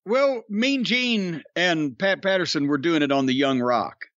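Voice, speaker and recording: A man's voice: on the high side, expressive, measured pace, a bit bright, no room sound, lo-fi sound. A middle-aged man, hosting a wrestling podcast, drawling and storytelling as he quizzes his co-host. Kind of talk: casual wrestling podcast chat.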